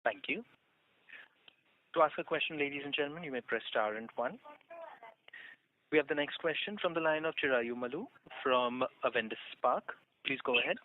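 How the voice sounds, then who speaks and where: A man's voice: mid-range voice, moderate pace, pauses often. Formal male call operator, telephone sound. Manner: formal, polite. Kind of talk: scripted call moderation. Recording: narrow telephone line.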